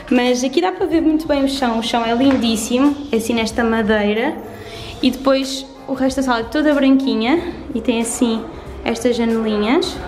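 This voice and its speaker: Young woman, European Portuguese accent, upbeat chatty vlogger, slightly high voice, faint music behind. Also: a little mellow, reverberant. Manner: chatty and upbeat, fond of diminutives. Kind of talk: casual house tour vlog. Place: empty renovated flat indoors. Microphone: handheld camera at arm's length.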